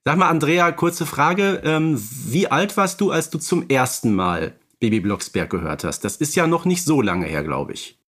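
A man's voice: on the high side, animated, moderate pace, few pauses, a bit bright. A man hosting a podcast, interviewing his guests in a casual, chatty style. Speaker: podcast host.

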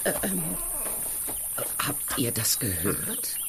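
A woman's voice: very deep voice, huge pitch swings, slow, very noisy, exaggerated voice. Flustered, wildly swooping lady. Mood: flustered, startled. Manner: hesitant, stammering. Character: flustered woman translating what animals say. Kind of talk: children's audio drama acting.

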